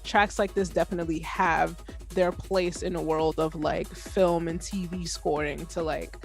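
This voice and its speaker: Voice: mid-range voice, fairly even intonation, a little slow, creaky. A person co-judging music on a stream, chatting casually and thinking aloud in a conversational way. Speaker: co-judge of music challenge entries. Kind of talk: casual chat and commentary.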